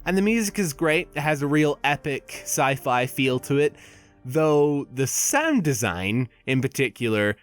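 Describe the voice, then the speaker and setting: Guy doing a chatty game review, middle pitch, quiet music behind. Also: sing-song, a little slow. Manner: opinionated, conversational, with small restarts. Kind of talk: casual game review commentary.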